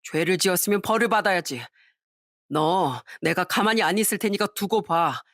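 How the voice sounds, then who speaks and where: A woman's voice: lowish voice, lively intonation, moderate pace, fairly bright tone, dry recording, studio quality. A woman voicing an angry middle-aged husband who confronts the man bothering his wife, in a harsh, commanding way. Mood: furious. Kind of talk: dramatized story reading.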